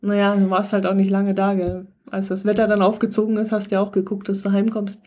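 A woman's voice: medium pitch, fast. A woman hosting a podcast, talking casually and encouragingly with her mother. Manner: relaxed, encouraging, laughs often. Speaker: podcast host. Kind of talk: casual interview.

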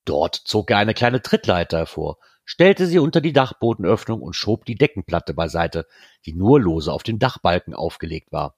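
Narrator: man reading a novel aloud, low-pitched, steady, dry close sound. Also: moderate pace, husky, no room sound. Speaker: reader.

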